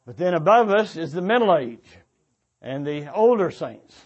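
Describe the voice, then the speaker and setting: In a church meeting, a male speaker with a rather high, sing-song voice urges his congregation on earnestly at a normal speed, now and then restating his words. The recording has its highs cut off.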